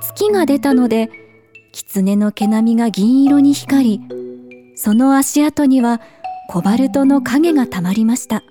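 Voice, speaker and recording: A woman narrating a children's storybook in a gentle, measured way. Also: fairly high pitch, soft background music. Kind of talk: storybook reading.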